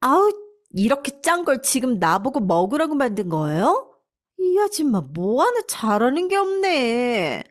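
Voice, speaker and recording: A spoiled young wife snaps and sneers in a bright, high voice, as a woman reader puts her on. She is scornful and bossy throughout, a storybook villain. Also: big pitch swings, unhurried.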